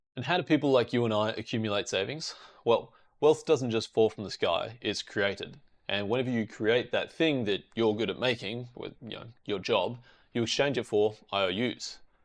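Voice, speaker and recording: An Australian-accented man at medium pitch, moderate pace and ordinary pitch variation, with a quiet background. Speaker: political commentator. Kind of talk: video essay commentary.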